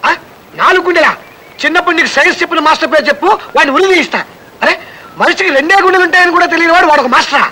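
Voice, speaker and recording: Shrill bragging bully. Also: male voice, rapid-fire, bright, forceful tone, exaggerated voice, poor audio. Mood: scolding. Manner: bossy, threatening, boastful. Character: blustering boastful man scolding a woman. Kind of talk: film comedy acting.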